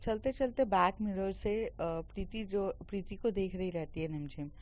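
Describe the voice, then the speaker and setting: A woman narrates a story in a casual, chatty storytelling manner, full of fillers and English words mixed in. Her pitch is middle-of-the-road, and the recording has a dull, lo-fi quality. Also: moderate pace, a little hiss or hum.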